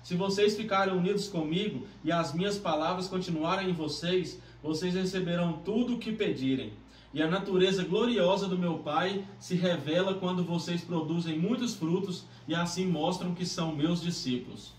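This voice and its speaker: A man's voice: high-pitched, normal speed. A man with a Brazilian accent speaking earnestly as he leads a devotional Bible reading. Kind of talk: devotional introduction, prayer and Bible reading aloud. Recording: roomy, distant mic, faint background noise.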